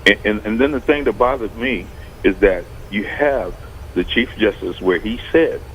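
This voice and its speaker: A man on a radio talk show panel, asking questions in measured, deliberate phrases. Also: fairly low pitch, fairly bright tone, a little hiss or hum, low-quality recording.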